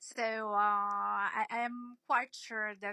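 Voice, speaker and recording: In a dry, close recording with no echo, a woman with an Italian accent speaks at a fairly high pitch in a bright, sharp tone. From Italy. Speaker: singer. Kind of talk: casual interview chat. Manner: halting.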